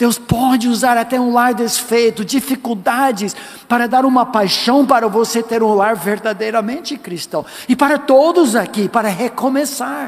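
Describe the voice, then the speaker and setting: A man talks at a moderate pace with ordinary pitch variation and an extremely high pitch. Noticeable background noise sits behind him. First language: English (speaking Portuguese). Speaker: pastor. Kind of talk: sermon. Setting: church.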